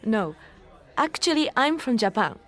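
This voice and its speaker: A man's voice: very high voice, big pitch swings, a little slow, fairly bright tone, voice pushed up, heavily acted. A man voicing an adult woman who teaches science, giving short, polite answers.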